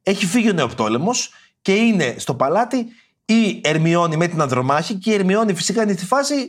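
A man's voice: high voice, sing-song. A man hosting a podcast about ancient tragedy, telling the stories in a casual way with slangy, mock-indignant asides. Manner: reads verse quotes in theatrical voices. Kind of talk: casual storytelling lesson.

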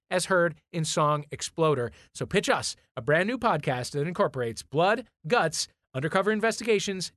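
A man hosting a comedy game show with big, showy announcements. His voice sits a bit high and swings lively up and down, and the sound is close and dry. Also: no echo. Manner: playful, theatrical announcing. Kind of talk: comic live podcast game show.

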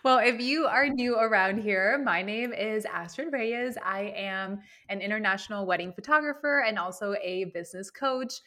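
A woman's voice: medium pitch, normal speed, few pauses, sharp tone. A woman from Venezuela whose first language is Spanish, co-hosting a podcast in an upbeat, chatty way. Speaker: podcast co-host. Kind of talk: casual chat.

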